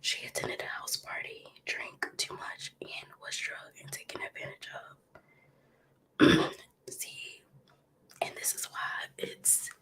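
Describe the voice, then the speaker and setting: A woman's voice: slow, rough recording. Whispering woman with a cold. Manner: soft whisper with frequent ums and likes. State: getting over a cold, sniffling. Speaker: ASMR livestream host. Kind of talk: whispered ASMR commentary. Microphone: close ASMR microphone.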